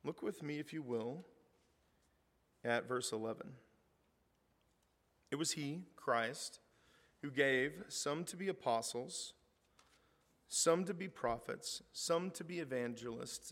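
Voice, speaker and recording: A middle-aged man preaching a sermon, his voice hoarse, talking conversationally and reading scripture aloud with rising emphasis. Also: medium pitch, a bit bright. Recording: reverberant hall.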